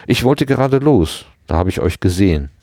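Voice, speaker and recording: A man reading aloud and voicing a gentle, apologetic young woman in a raised voice. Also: on the low side, expressive, normal speed, no room sound, clean studio sound.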